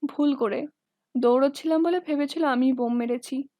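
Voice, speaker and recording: A woman's voice: sits high, normal speed, mellow, natural voice. A woman voicing a shy young male student in a storybook who answers sheepishly.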